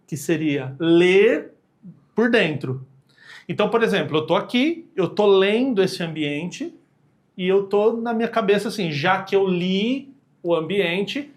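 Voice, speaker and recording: A man with a Brazilian accent, a podcast guest chatting casually in a slangy way and acting out quoted lines. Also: sits high. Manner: slangy, acts out quoted dialogue in voices. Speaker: podcast guest, communication expert.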